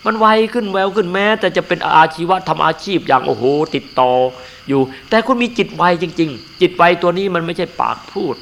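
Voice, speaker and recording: Older monk giving an emphatic sermon. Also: male voice, a little high, expressive, fairly quick, gravelly, fairly bright tone, slight background noise. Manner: earnest, emphatic teaching. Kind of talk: dharma sermon.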